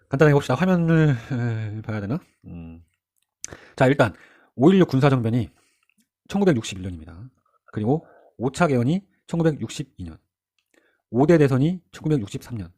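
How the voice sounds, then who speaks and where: Middle-aged male lecturer, mellow husky tone, brisk conversational exam-prep delivery. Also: medium pitch. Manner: chatty, asks the listener rhetorical questions, acts out quoted figures. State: sore throat. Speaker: history lecturer.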